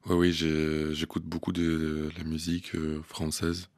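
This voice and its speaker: A man's voice: extremely low pitch, flat delivery, measured pace, darkish tone, no room sound. A man from Ukraine, speaking French as an in a radio interview, hesitant with many fillers and restarts. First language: Russian and Ukrainian. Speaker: interview guest.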